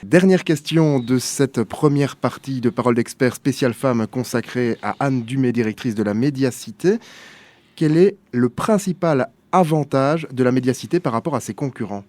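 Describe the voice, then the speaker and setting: A man's voice: medium pitch, moderate pace, a little mellow, dry recording. A man hosting a radio interview, reading neat scripted questions and introductions. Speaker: radio host.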